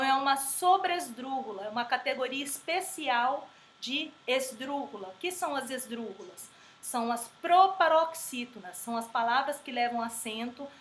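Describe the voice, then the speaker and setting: A woman teaching a grammar lesson, explaining patiently and repeating example words slowly. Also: high voice, a bit bright. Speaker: Spanish teacher. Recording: echoey room with faint background noise.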